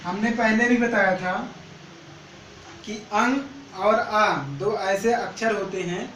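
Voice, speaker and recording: A man's voice: high voice, fairly even intonation, slow pace, fairly bright tone. A male teacher giving a Braille lesson. He asks the pupils each question and then repeats the question and its answer. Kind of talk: classroom lesson. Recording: echoey room, mic at a distance, faint hiss.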